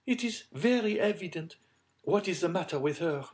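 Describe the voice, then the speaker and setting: A man's voice: high voice, expressive, normal speed, pitched above the performer's own voice. A man voicing a haughty, sly society lady in a storybook, genteel and pointed in manner. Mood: cool, knowing.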